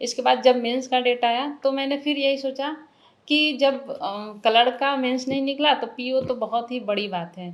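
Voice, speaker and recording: Her pitch sitting high, a woman talks with ordinary pitch variation. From rural Bhojpuri-speaking northern India. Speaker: bank exam topper. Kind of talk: interview. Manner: hesitant, many fillers.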